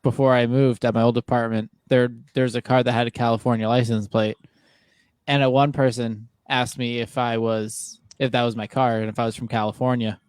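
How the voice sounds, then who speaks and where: A man's voice: medium pitch, flat delivery, fairly quick, smooth, no room sound. A young man from New Hampshire co-hosting a casual podcast, easygoing and chuckling as he talks. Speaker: podcast co-host. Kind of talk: casual chat.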